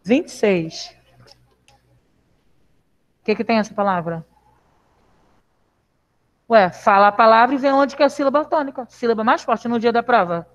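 A woman's voice: on the high side, moderate pace, pauses often. A Brazilian woman teaching children in a live online class, patient and reassuring, asking coaxing questions. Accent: Brazilian Portuguese. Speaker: primary school teacher. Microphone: video call. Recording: lo-fi video call audio.

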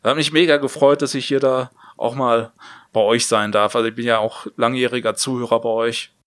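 Mid-pitched man chatting as interview guest. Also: steady tone, a little fast. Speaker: interview guest, audio drama creator. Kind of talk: casual interview chat.

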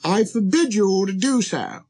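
A man's voice: high voice, expressive, a little slow, mellow, pitched above the performer's own voice. A man voicing a pompous but good-natured absolute monarch in a storybook, hemming and spluttering as he commands. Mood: commanding.

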